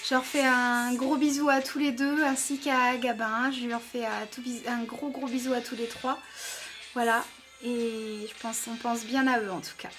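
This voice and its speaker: A high, bright-sounding woman with a French accent talks in an eager, chatty way, often pausing on fillers. She reviews beauty products for her viewers. Music plays clearly behind her voice. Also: flat delivery. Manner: enthusiastic, chatty, many fillers. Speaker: beauty vlogger.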